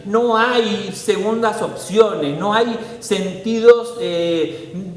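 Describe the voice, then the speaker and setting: High-voiced preacher in an echoey hall. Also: male voice, extremely slow, distant mic. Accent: Rioplatense Spanish. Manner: animated, acts out scenes with voices. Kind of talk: sermon. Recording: echoey hall, long reverb.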